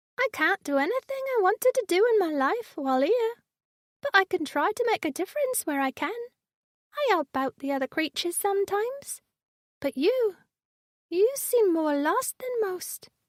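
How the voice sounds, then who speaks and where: A woman's put-on character voice, squeaky and soft-spoken, with an extremely high pitch, a gentle tone, a moderate pace and long, frequent pauses. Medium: read story. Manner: soft, gentle.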